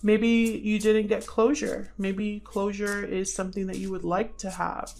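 A woman with a creaky, mid-pitched voice talks viewers through a tarot reading in a casual, musing way. She sometimes addresses spirit guides as she goes. Music plays faintly behind her. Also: level tone, measured pace, darkish tone. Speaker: tarot reader and channel host.

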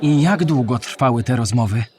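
A man's voice: medium pitch, moderate pace, a little mellow, some chatter behind, lightly acted. A man playing a curious, wondering young boy in an educational audio play for children. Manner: inquisitive, wondering. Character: curious young boy listening to history tales.

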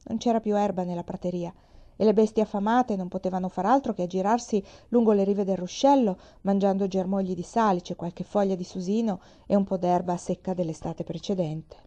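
A woman reading a children's novel aloud with calm, measured storytelling. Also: medium pitch, lo-fi sound.

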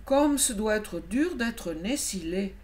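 A woman doing a calm, lonely young white wolf. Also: mid-range voice, slow pace, slight background noise. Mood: polite.

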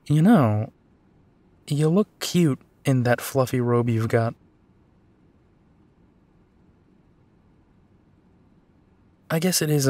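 A man playing a gentle, protective, weary werewolf detective in an intimate audio roleplay, with a soft, halting delivery. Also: medium pitch, dry recording, close to an everyday voice. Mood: tender, flustered.

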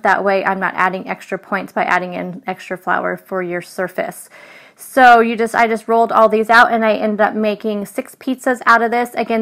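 A woman's voice: mid-range voice, fairly bright tone. A woman talking casually over her meal prep, chatty and loose, with frequent ums. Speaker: food vlogger. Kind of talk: casual voice-over narration of cooking.

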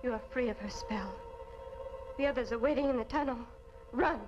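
Solemn alien woman, played by an actress, higher-pitched. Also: brisk, lightly acted. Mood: resolute. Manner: earnest, formal, uncontracted phrasing. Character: solemn, devoted alien moon woman, resolute. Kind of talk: 1950s science fiction B-movie acting. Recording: dull old film soundtrack, loud music.

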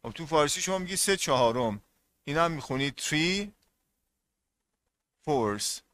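Bright-voiced male teacher quizzing a class. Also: fairly high pitch, expressive. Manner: repeats terms and quizzes the class. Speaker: English teacher. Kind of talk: classroom lesson.

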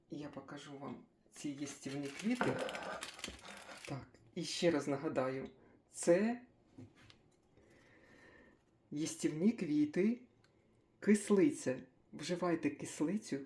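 Older lady chatting in her kitchen, slow and mellow, kind of low voice. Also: a little hiss or hum. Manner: chatty, thinks aloud, small laughs. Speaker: cooking vlogger. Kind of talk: casual kitchen chat.

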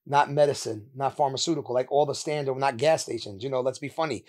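A man in his thirties from India, a podcast guest telling his story in a candid, animated way with quick laughs, speaking into a studio mic. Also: mid-range voice. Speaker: podcast guest, sneaker store owner. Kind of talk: casual interview chat. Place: sneaker-lined studio, indoors. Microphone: mounted podcast mic with headphones.

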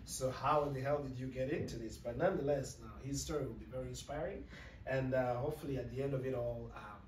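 A man's voice: mid-range voice, quick pace. A man hosting the event and introducing the speaker, hesitant and full of fillers, in a large room. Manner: hesitant, many fillers and "you know". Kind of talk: casual introduction. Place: large lecture room with stained glass. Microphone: podium mic, recorded by far camera. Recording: roomy, distant, noisy room sound.

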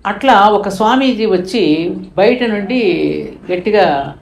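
A woman's voice: medium pitch, expressive, slow. Older female guest, fervent storytelling voice, roomy echo. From India. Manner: impassioned, rising to emphatic peaks. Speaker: guest speaker. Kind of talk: storytelling in an interview.

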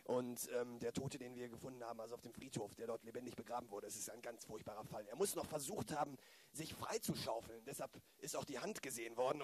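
A man's voice: medium pitch, slight background noise, close to an everyday voice. A man playing an earnest, squeamish young detective in an improvised amateur radio play.

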